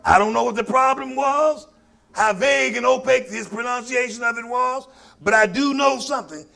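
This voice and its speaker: A man's voice: very high voice, moderate pace, gravelly, bright, forceful tone. A man from Mississippi with a Southern African American accent, preaching a sermon in a folksy, emphatic, repetitive way to his congregation. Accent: Southern African American English. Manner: folksy, emphatic, repeats phrases for effect. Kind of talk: sermon with call and response.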